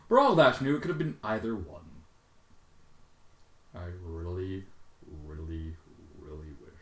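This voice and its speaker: Echoey, theatrical man with swooping pitch. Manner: theatrical, exasperated, with sudden loud outbursts. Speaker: fan fiction reader and commentator. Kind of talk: dramatic reading with sweary ad-libbed commentary.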